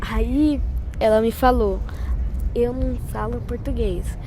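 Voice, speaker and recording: A young woman, a French native speaker, answering an interview in a hesitant, halting way. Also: on the high side, dark tone, slight background noise, poor audio. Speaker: interview guest. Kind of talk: casual interview talk.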